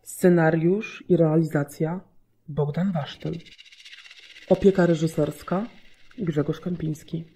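A woman narrating a scripted documentary radio drama in a measured, solemn, clearly articulated way. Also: deep voice, steady tone, dark tone. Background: music.

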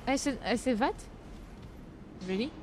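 A woman's voice: expressive, measured pace, noisy background. A young woman with a French accent, chatting playfully with viewers while streaming a game, often giggling. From France. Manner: playful, bursts into giggles, swings high when protesting. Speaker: VTuber streamer. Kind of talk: casual gameplay chat with viewers.

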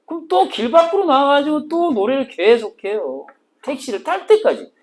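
A woman teacher giving an exam-prep literature lecture, animated and teasing, switching between polite and casual speech. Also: sits high, normal speed.

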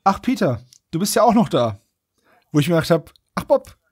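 A man's voice: on the high side, big pitch swings, fairly quick, slightly rough, no room sound, clean studio sound. A man hosting a podcast, recapping a story in casual, colloquial chat with mock-indignant asides. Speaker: podcast host. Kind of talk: casual chat, recapping and commenting on an audio drama.

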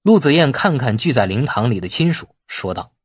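A male narrator reads a novel as a scripted audiobook. His voice has a husky grain and sits at a medium pitch. The sound is dry, with very little room. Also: very animated, a little fast, no echo.

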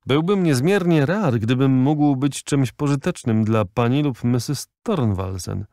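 A man reading an audiobook, voicing a polite, eager gentleman captain who speaks up brightly. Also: medium pitch, measured pace, no room sound, studio quality, pitched above the performer's own voice, natural voice. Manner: courteous, eager, exclaiming.

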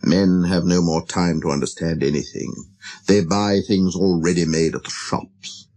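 A man voicing a lonely, gentle wild fox in a storybook, speaking slowly and earnestly with hesitant pauses. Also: sits low, steady tone, pitched below the performer's own voice. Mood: sad, pleading. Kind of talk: storybook character reading.

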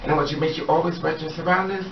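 A woman's voice: sits low, fairly even intonation, racing. A middle-aged woman vlogging straight to the camera in a hallway at home, blunt and sassy, with swearing. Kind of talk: direct-to-camera monologue. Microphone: camera a few steps away. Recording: roomy, distant, dull sound with background hiss.

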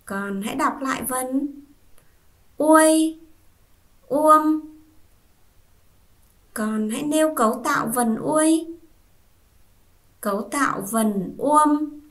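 A woman's voice: high-pitched, unhurried. A woman teacher giving a first-grade reading lesson, patiently spelling out sounds and asking the children to repeat. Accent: Vietnamese. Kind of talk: slow, clear classroom reading lesson.

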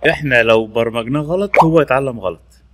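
In a relaxed screen-recorded tutorial, a man with an Egyptian Arabic accent demonstrates a training tool and keeps repeating its labels. He's a fast talker with a medium-pitched, slightly bright voice.

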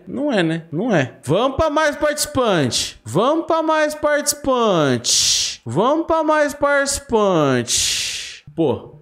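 A man, doing slangy, joking reaction commentary from a home streaming room on a boom mic. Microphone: studio mic on a boom arm.

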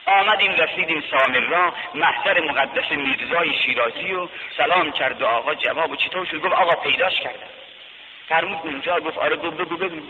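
A middle-aged man preaching a story-filled sermon in a mosque over a loudspeaker, dramatic, with loud drawn-out cries. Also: on the high side, slight background noise. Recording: echoey hall, dull archive recording.

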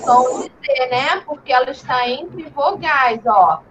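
A woman's voice: high-pitched, animated, very noisy. A woman teaching an online class to young children, patient and encouraging, with lo-fi video call audio. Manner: patient, slow and encouraging, calls herself "tia". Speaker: primary school teacher.

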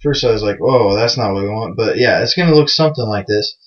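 A man's voice: fairly low pitch, fast. A man hosting a programming screencast, talking loosely and mocking himself, with plenty of fillers. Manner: loose, chatty and self-mocking, with many fillers. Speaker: programming tutorial host. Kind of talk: casual screencast tutorial. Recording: dull lo-fi mic sound.

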